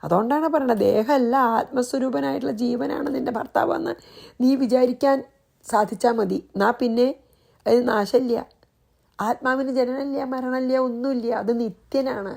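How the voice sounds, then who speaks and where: A woman's voice: high voice, vocal fry, darkish tone. A woman giving a devotional scripture commentary, patiently explaining point by point with repeated rhetorical questions. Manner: breaks into slow chanted Sanskrit verses. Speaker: scripture teacher.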